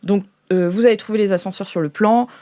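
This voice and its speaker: Casual tabletop game master, mid-pitched, improvising and hesitant, dry sound. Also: fairly even intonation, fast, dark tone, dry recording. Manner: hesitant, searching for words. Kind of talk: improvised tabletop role-play narration, casual chat.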